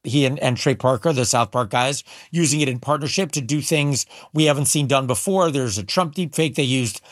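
A man's voice: medium pitch, normal speed, no room sound, clean studio sound. A man, an entertainment reporter, explaining the story in casual chat with emphatic asides.

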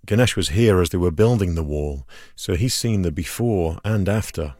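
Low-voiced man narrating a field report. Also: animated, moderate pace, a little mellow, no echo, clean studio sound. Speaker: radio reporter. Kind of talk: scripted documentary narration with field interviews. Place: outdoors at a border wall, in the hot sun.

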